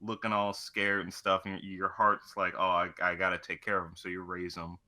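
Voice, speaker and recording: A young man with a fairly low but strikingly bright, forceful voice. He talks off the cuff as a co-host in a casual gaming chat. His manner is crude and sweary. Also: monotone, moderate pace. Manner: crude, profane joking.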